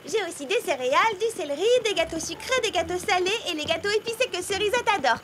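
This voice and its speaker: A woman's voice: very high-pitched, animated, fast, very noisy. A woman voicing a chatty, fearful little girl in a children's cartoon, with a fretful, exclaiming delivery. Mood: chatty, eager. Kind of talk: animated children's series dubbing.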